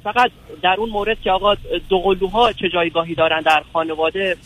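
A man's voice: sits high, fairly even intonation, fairly bright tone, low-quality recording. A young adult man calling a radio advice show, hesitant and full of fillers as he talks about his family. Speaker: caller. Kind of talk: phone-in conversation.

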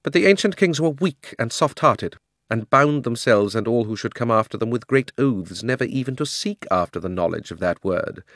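A man's voice: medium pitch, lively intonation, moderate pace, fairly bright tone, dry recording, studio quality, voice pushed up. A man voicing a proud, cruel and haughty queen of enormous height, speaking in an imperious, declamatory way.

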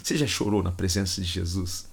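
A man's voice: sits low, flat delivery, fairly quick, gravelly, slightly rough. A man with a Brazilian accent preaching a livestreamed sermon, fervent and repetitive, with emotional swells in his voice. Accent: Brazilian Portuguese.

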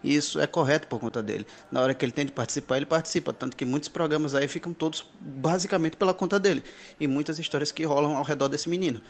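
A man on a comedy talk show indignantly defending a quiet colleague against a listener. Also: a little high, fast talker. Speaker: show regular.

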